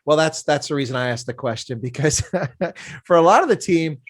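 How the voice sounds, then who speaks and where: A man's voice: on the high side, lively intonation, brisk. A middle-aged man hosting a casual sports interview, asking long, rambling questions. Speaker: interview host.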